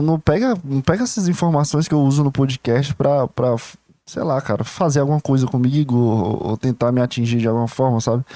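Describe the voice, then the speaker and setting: A young man hosting a solo podcast, thinking out loud in a candid, rambling monologue full of restarts and repeated words. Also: mid-range voice, no echo. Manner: rambling, stream-of-consciousness with many restarts; candid, self-reflective and confiding. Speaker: podcast host.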